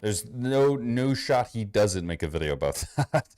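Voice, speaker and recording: Deep-voiced Minnesotan man, blunt and sarcastic. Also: sing-song, normal speed, darkish tone, no room sound. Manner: blunt, sarcastic, swears freely. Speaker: fitness coach reacting to a video. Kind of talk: casual reaction commentary.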